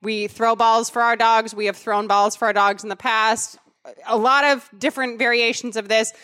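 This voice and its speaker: Bright, high-voiced chatty woman podcaster. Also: steady tone. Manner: chatty, quick to laugh. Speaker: podcast co-host. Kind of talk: casual chat.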